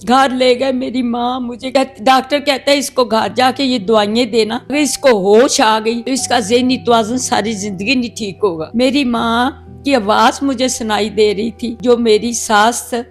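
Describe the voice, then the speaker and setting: A woman's voice: a little high, steady tone, a little slow, hardly any pauses. An older woman, sharing a painful life story with heartfelt emotion. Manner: heartfelt, reliving painful memories. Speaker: interviewee telling her life story. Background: soft background music.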